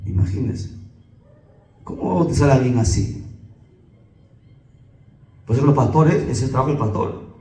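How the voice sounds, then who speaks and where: A pastor with a Peruvian Spanish accent, preaching emphatically to a congregation and firing off rhetorical questions. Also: male voice, mid-range voice, animated, moderate pace, long pauses, mellow, reverberant, recorded from a distance, low-quality recording.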